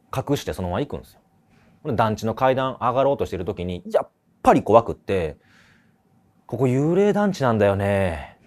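A man's voice makes very wide pitch swings and big swings in loudness, broken by long, frequent pauses, against a quiet background. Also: medium pitch for a man, moderate pace. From Okayama, western Japan. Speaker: ghost-story teller. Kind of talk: spoken ghost story. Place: studio. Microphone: lapel.

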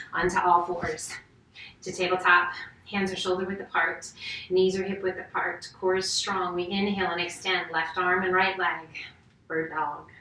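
Audible room echo colors a woman's voice. She speaks at a moderate pace with monotone, flat intonation. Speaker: yoga instructor. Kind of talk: guided yoga instruction. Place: home room.

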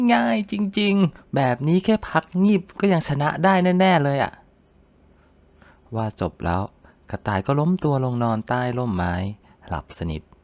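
This man has a gentle tone and a medium pitch with very wide pitch swings. The sound is dry and close, with no echo. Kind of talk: ASMR boyfriend roleplay bedtime story. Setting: close-mic ASMR. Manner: soft, intimate, gentle.

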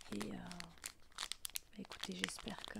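A soft-spoken woman against loud background noise. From France. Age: 30s. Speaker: ASMR creator. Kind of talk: casual talk to camera. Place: home room. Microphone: phone near.

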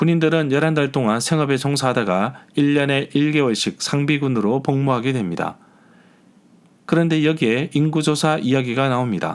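An ordinary speaking voice moves at a moderate pace with ordinary pitch variation. Its loudness stays very even. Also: man, fairly high pitch for a man. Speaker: pastor. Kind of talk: scripted devotional reading. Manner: formal.

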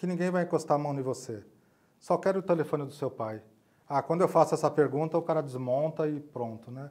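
A man with a Paulista accent against a quiet background. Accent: Paulista Brazilian Portuguese. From São Paulo, Brazil. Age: 40s. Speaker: police officer and drug prevention speaker. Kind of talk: casual interview. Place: studio.

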